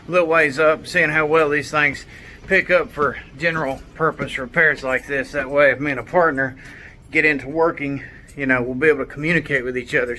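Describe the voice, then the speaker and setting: A man's voice: a little high, sharp tone, slight background noise. A man giving a casual hands-on gadget review in a folksy, plainspoken way with colloquial grammar. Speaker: product reviewer, mechanic.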